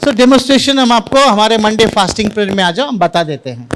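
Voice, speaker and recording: A pastor delivers an animated Sunday sermon in a high-pitched voice. He tells stories to the congregation and mixes English words into his preaching. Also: fast talker, slight background noise. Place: church service.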